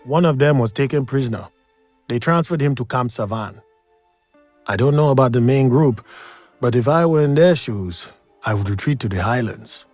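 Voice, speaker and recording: An actor voicing a solemn, resolute revolutionary leader in a video game, speaking in a formal, earnest, measured way. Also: male voice, mid-range voice, expressive, a little mellow, dry recording, faint music behind, natural voice. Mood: grave, concerned. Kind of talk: scripted game dialogue.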